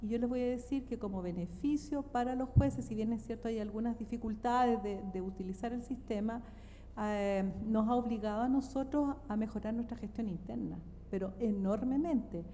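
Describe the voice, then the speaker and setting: A woman's voice: a little high, moderate pace, warm tone. A middle-aged Chilean woman speaking emphatically and explaining her view as a panelist at a seminar. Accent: Chilean Spanish. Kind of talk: panel discussion answer. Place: large auditorium. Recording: reverberant hall, background noise.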